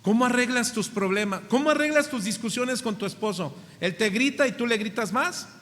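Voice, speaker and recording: Un pastor mexicano que predica un sermón con acento mexicano, lanzando preguntas a la congregación y alargando las palabras clave. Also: male voice, extremely high pitch, fairly bright tone. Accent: Mexican Spanish. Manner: preaching with questions to the congregation, slowing on key words. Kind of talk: sermon. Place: church hall. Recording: church hall reverb.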